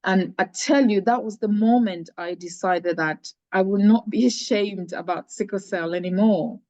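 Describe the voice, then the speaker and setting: A woman's voice: mid-range voice, moderate pace, darkish tone, dry recording, lo-fi sound. Earnest woman telling her story. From Cameroon. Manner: earnest, storytelling with many restarts. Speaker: charity founder, guest. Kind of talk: personal story in interview.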